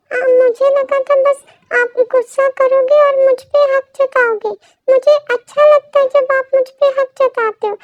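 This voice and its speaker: A woman's voice: very high voice, no room sound, muffled recording, pitched above the performer's own voice. A woman voicing a playful young husband who teases his partner and then begs her forgiveness, in a pleading, coaxing manner. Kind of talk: storybook role reading.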